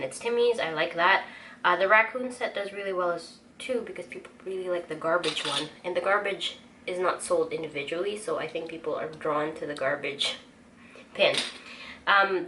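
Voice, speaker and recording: A woman's voice: on the low side, a bit bright. A young woman with a light Filipino accent, chatting casually in her studio and thinking aloud while she sorts her stock. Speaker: artist vlogger. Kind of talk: casual chat while working. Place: home art studio. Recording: noisy room ambience.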